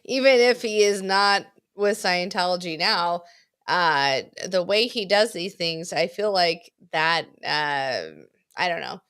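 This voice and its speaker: A woman's voice: lowish voice, a bit bright, smooth. Brief: female co-host on a remote call, unsure, trailing off. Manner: hesitant, trailing off. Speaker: podcast co-host. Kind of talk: casual podcast chat.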